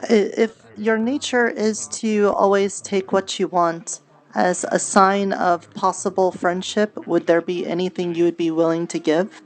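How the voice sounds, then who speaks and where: A woman doing improvised in-character roleplay, speaking in an earnest, measured, diplomatic way. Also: mid-range voice, fairly even intonation. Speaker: roleplay streamer playing a character.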